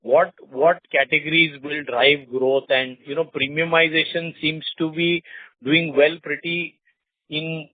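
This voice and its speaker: A man's voice: on the high side, flat delivery, measured pace, dry recording. A man, heard over a phone line, asking an analyst's questions on a conference call and leaning on "you know" fillers. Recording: tinny, dry phone line with airy hiss.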